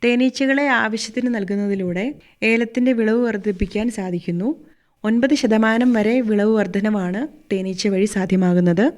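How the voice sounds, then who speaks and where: A woman agricultural scientist giving a scripted radio talk in a steady, instructive manner. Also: mid-range voice, normal speed, no echo, studio quality.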